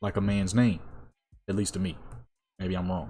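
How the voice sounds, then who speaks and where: This man talks at a fairly low pitch. Behind his voice, music plays. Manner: casual, storytelling.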